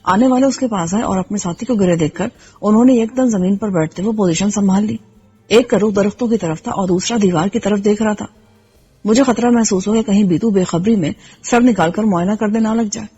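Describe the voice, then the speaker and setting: A woman reading a first-person action novel aloud in steady storytelling narration. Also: medium pitch, slightly rough. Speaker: audiobook narrator. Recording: slightly dull with faint music.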